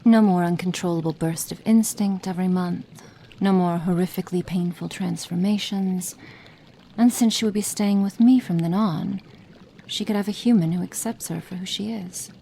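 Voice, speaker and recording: A woman voicing a cold, impatient female witch experimenter in an ASMR roleplay, speaking softly and partly in whispers, haughty and condescending. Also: fairly low pitch, fairly even intonation, moderate pace, vocal fry, slight background noise. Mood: musing. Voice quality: soft, partly whispered delivery.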